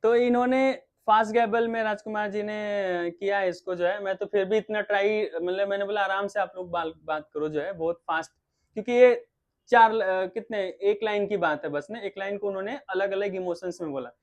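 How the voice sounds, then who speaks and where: A man's voice: high voice, normal speed, lo-fi sound. Man teaching an acting class casually. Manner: relaxed, repetitive explaining with many fillers. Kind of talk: online class with students.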